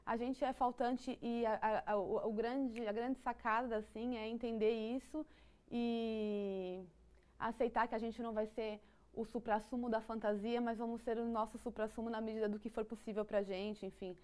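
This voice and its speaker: This woman, a psychology guest with a Brazilian Portuguese accent, has a highish, darkish voice and a flat delivery at a moderate pace. In conversation she thoughtfully explains psychology ideas, restarting frequently and laughing lightly.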